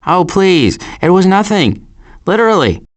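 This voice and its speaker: An actor voicing a cautious, worrying turtle in an animated video game, with a dry, hesitant and wry delivery. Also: male voice, high-pitched, a little slow. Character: cautious, worrying male cartoon turtle, dryly sarcastic.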